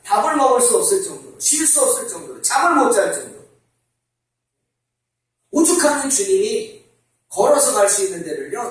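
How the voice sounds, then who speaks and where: Middle-aged male pastor with a lively, swooping delivery, preaching and asking the congregation questions, caught from a distance in a very echoey church hall. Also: extremely high pitch. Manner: animated, conversational, asks the congregation rhetorical questions. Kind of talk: sermon. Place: church sanctuary.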